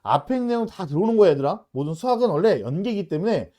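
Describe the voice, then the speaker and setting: Lively, mellow-voiced male math teacher. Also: high-pitched, racing. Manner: checks often with "알겠죠?", "됐죠?", switches between polite and casual speech. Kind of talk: lecturing at a whiteboard.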